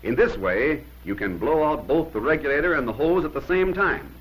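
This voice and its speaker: A male narrator channels a 1950s instructional film, handing out short, plain-spoken instructions firmly at a moderate pace. His husky voice, fairly bright in tone, has lively intonation and wide pitch swings, and the old film soundtrack is a rough recording.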